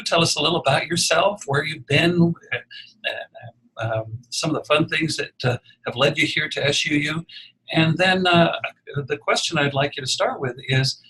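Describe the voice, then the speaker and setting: A man's voice: a little high, lively intonation, a bit bright, breathy edge, poor audio. Friendly man hosting a podcast. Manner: friendly, halting, with many fillers. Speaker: podcast host, university educator.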